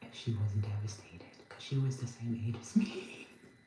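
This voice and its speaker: Somewhat breathy, a woman speaks in a dark, mellow tone. Her pitch varies in an ordinary way. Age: 30s. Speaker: livestreamer. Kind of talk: casual chat. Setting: livestream.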